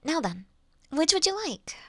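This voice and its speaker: A woman performs a polite vampire girl, forever young in looks, for an audio roleplay. Her voice sits fairly high and is recorded very dry, with no room sound. She talks in a gentle, conversational, mildly wry way, as if putting a nervous guest at ease. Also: big pitch swings, moderate pace, no echo. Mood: reassuring, businesslike. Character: childlike-looking ancient female vampire, polite, reassuring, mildly wry. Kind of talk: scripted audio roleplay addressed to the listener.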